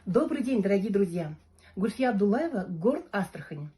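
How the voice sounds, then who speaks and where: A woman's voice: medium pitch, sing-song, brisk, mellow. A woman in her fifties giving a conversational testimonial. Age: 50s.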